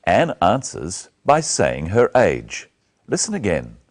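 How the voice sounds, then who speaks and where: A middle-aged man presenting a scripted English lesson, speaking slowly and clearly into a lapel mic. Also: low voice, huge pitch swings. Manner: slow, clear, carefully spoken. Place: small studio set, indoors.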